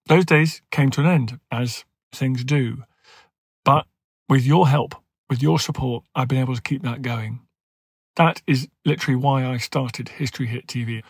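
A man's voice: medium pitch, no room sound. Man with a dental lisp. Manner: earnest, grateful. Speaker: podcast host. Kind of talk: podcast intro and interview.

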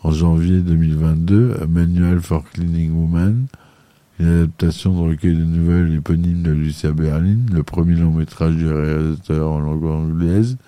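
A man with a deep, very dark and mellow voice reads a film chronicle for his podcast. He often stumbles over words and restarts them. The recording is dry and close. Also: level tone, moderate pace, no room sound. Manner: reads aloud with frequent stumbles and self-corrections. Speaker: podcast host.

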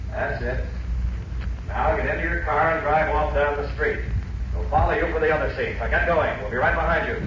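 A man playing a brisk film director giving clipped, authoritative orders in a 1940s radio drama. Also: a little high, lightly acted. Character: brisk, commanding film director shouting instructions on location. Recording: echoey, distant, dull noisy 1940s radio recording.

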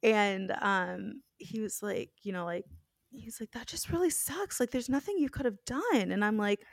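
A woman with a raspy voice co-hosting a podcast, talking candidly in a rambling, self-mocking way. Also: mid-range voice, normal speed, no echo, studio quality. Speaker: podcast co-host. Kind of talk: casual chat.

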